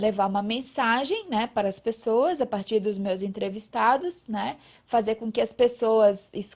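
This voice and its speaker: Pauses hardly occur as a woman speaks at a fairly high pitch. She talks at a fairly slow pace. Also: ordinary pitch variation. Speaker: pharmacist and coach. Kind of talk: live interview. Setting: online live stream.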